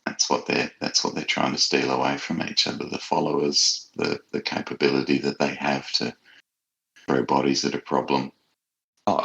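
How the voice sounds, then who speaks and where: A man speaking as an author guest in an interview, explaining his ideas in a thoughtful, halting, measured way. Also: a bass voice, creaky, a bit bright, poor audio.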